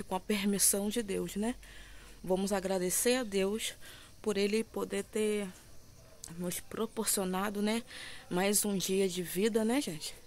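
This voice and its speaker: Speaking in a mid-range, somewhat dark voice, this Brazilian Portuguese-accented woman chats familiarly with her audience in a home vlog, frequently looking for their agreement. She films around her kitchen and yard on a handheld phone, and the audio is noisy.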